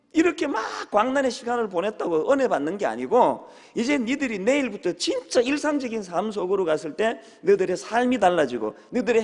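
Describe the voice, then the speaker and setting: A male pastor preaching a sermon, telling humorous stories with sudden shouted exclamations. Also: high voice. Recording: long hall reverb.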